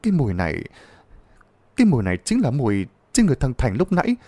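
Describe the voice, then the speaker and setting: A man's voice: medium pitch, wildly swooping pitch, fast, dark tone, no echo. A man voicing an older village mother, tearful and scolding over her lost son. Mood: subdued.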